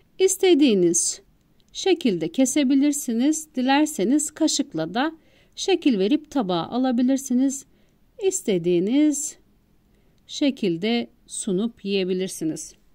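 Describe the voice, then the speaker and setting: A woman with a high pitch and a dark, mellow tone speaks at a very slow pace with very wide pitch swings. The recording is very clean, with a silent background. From Sivas, central Turkey. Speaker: cooking channel host. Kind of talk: cooking tutorial.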